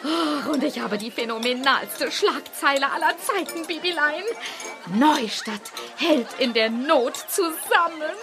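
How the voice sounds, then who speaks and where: A woman playing an excitable, gushing newspaper reporter in a children's audio drama, brash, chummy and slangy. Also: high-pitched, a little slow, over music. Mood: gushing, triumphant. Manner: exuberant, slangy, uses cutesy diminutives.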